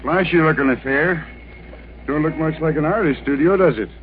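Man acting gruff American police sidekick, muffled radio. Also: a little high, moderate pace, a little hiss or hum, lightly acted. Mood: wry, blunt. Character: gruff, plain-spoken male police sergeant sidekick. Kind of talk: 1950s radio drama acting. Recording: muffled old radio recording.

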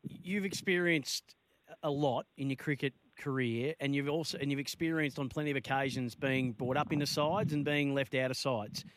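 A man's voice: mid-range voice, fairly even intonation, normal speed, low-quality recording. An Australian man presenting a live talkback sports radio show as its host, close on a studio microphone.

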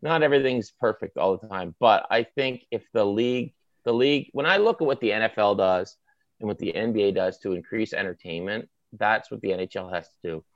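A man's voice: fairly low pitch, lively intonation, a little fast, no room sound. Emphatic Maritime Canadian man, slightly dull sound. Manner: emphatic, colloquial, punchy short phrases. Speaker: author and podcast guest. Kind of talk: animated opinionated sports chat.

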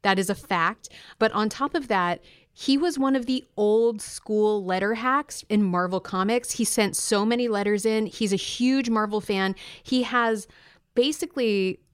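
A woman co-hosting a show about comics and toys, bubbly and chatty as she runs through the news. Her voice is smooth and clear, with a middle pitch. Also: measured pace. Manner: enthusiastic, chatty. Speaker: co-host. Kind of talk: casual chat.

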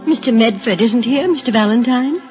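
A woman's voice: on the high side, brisk, soft background music, lightly acted. An actress playing a flirtatious married woman, coy and teasing, in 1940s radio drama style. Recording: dull lo-fi old radio recording.

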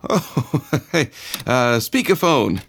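A man's voice: medium pitch, sing-song, slow, gravelly, fairly bright tone, slight background noise, full character voice. An actor playing a nervous young male anthropology professor who hesitates and fumbles. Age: young adult. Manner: hesitant, fumbling, full of uhs.

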